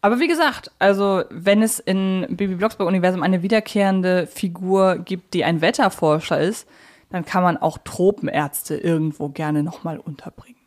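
Female podcast co-host, slightly low pitch, casual discussion, conversational, opinionated, thoughtful. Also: moderate pace, a little mellow. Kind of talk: casual fan discussion of audio drama characters.

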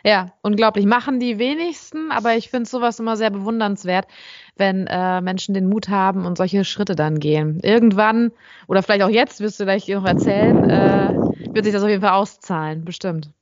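A woman's voice: medium pitch, normal speed, highs cut off. Curious woman asking follow-ups. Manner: curious, asks follow-up questions. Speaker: podcast co-host. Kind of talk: casual interview.

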